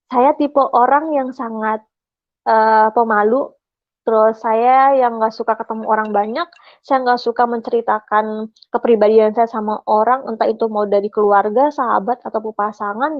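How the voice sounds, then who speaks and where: A young adult woman giving a casual personal testimony, her retelling halting and emotional, with many pauses and fillers. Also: fairly high pitch, fairly even intonation, no echo. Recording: dull, lo-fi, dry sound.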